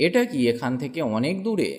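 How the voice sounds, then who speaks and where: A man teaching English, saying a sentence in Bengali and then repeating its English version twice, slowly and clearly. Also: a little high, sing-song, a little mellow. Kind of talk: slow drilled sentence practice.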